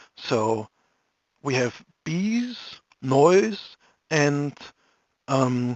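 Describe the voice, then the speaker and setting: The speaker has a non-native accent and lively intonation. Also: man. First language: not English. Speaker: hobby electronics video host. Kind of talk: live stream chat with viewers. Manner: halting, many fillers.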